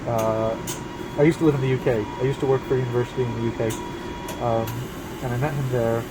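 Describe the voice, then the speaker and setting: A man answering as an interview guest, measured and reflective, pausing mid-sentence. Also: fairly even intonation. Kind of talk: casual conversational interview. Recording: noisy, air conditioning and vehicle rumble.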